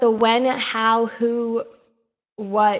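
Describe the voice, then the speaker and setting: A woman talks with a fairly high pitch. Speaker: fanfiction writer and streamer. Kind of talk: casual live stream chat. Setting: live stream. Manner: halting, many fillers and restarts.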